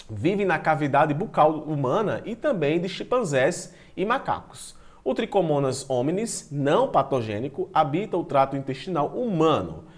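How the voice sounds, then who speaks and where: A man's voice: a little high, darkish tone. A man giving an informal online lecture, reading from slides and commenting in a chatty way, sometimes tripping over technical words. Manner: stumbles and restarts over long technical words, self-deprecating; chatty, addresses students directly. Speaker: biology teacher presenting an online class.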